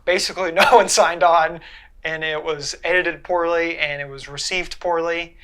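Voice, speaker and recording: A male co-host with a fairly high, bright and forward voice. He talks casually about pop culture, with a wry, matter-of-fact manner. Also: steady tone, moderate pace, clear, resonant tone. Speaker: co-host of a film discussion show.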